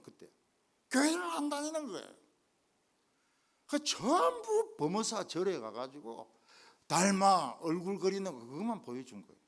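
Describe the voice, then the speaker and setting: An older man preaching a revival sermon as a guest pastor, jumping from loud exclamations to hushed asides. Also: high-pitched. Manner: animated, swinging from loud exclamations to quiet asides. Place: church main sanctuary.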